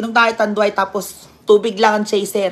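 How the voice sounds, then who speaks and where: An animated woman with a fairly high pitch at a moderate pace. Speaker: vlogger. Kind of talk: livestream chat reading viewer comments.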